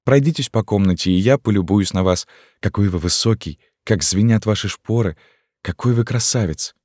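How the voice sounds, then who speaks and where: A man voicing a naive young gypsy girl, speaking in a soft, pleading lilt in a storybook reading. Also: fairly low pitch, moderate pace, no room sound, clean studio sound, voice pushed up, close to an everyday voice. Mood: adoring.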